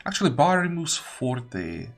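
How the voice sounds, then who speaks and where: Slightly husky man musing through a game. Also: medium pitch, big pitch swings, moderate pace. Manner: musing, deliberating step by step. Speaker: gamer narrating own playthrough. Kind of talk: casual gameplay commentary, thinking aloud. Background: game music.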